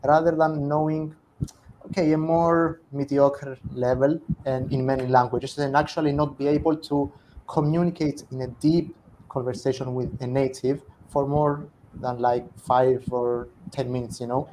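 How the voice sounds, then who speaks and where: A young Cypriot man speaks English with a Greek accent at a middle pitch, relaxed and thoughtful, often correcting himself mid-phrase. His voice comes through an earphone mic on a video call from a room at home, with a faint hiss behind it. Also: moderate pace, low-quality recording. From Cyprus. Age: young adult. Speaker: guest. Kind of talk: casual video-call interview. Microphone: earphone headset on a video call.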